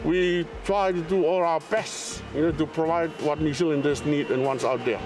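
A man's voice: a little high, fairly even intonation, normal speed, over music. A man who works in a warehouse, giving earnest interview answers. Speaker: warehouse worker. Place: large warehouse.

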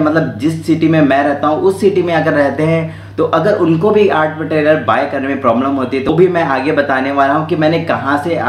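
A man's voice: on the high side, slight background noise. Chatty young man in an echoey room. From Raipur, Chhattisgarh, India. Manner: chatty and informal, mixing English words into Hindi. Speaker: art channel host. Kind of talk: casual vlog, showing art supplies. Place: small room with art supplies, indoors.

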